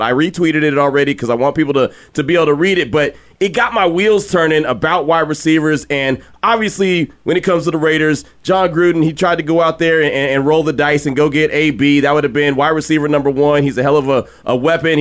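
Fast-talking man hosting a sports podcast. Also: a little high, a bit bright, dry recording. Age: early 40s. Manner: chatty, slangy, addresses listeners directly. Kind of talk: casual solo podcast talk with host-read ads.

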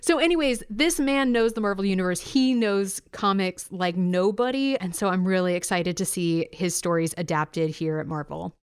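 A woman co-hosting a show about comics and toys, bubbly and chatty as she runs through the news. Her voice is smooth and clear, with a middle pitch. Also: moderate pace, few pauses. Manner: enthusiastic, chatty. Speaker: co-host. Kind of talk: casual chat.

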